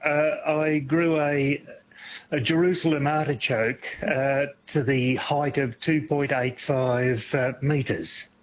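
A man from New South Wales calling a radio show, speaking in a halting way with many pauses. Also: medium pitch, fairly even intonation, slight background noise, rough recording. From New South Wales, Australia. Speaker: radio caller.

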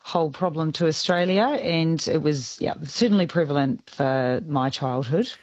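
A woman in her fifties from New Zealand, a dermatologist guest explaining things in a measured way with some ums. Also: low voice, darkish tone, dry recording, muffled recording. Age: 50s. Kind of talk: radio interview.

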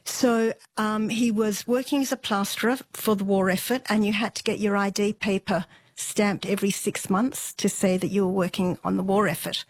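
A woman's voice: medium pitch, steady tone, dry recording, low-quality recording. Woman telling a story, dry studio sound. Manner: unhurried, with fillers and soft laughs. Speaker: interview guest. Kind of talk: relaxed storytelling interview.

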